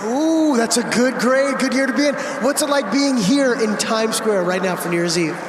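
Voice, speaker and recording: A man working as a street reporter, interviewing people in a crowd and shouting with hyped energy. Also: very high-pitched, normal speed. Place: outdoors in a packed street crowd. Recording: loud crowd and street noise, echoey.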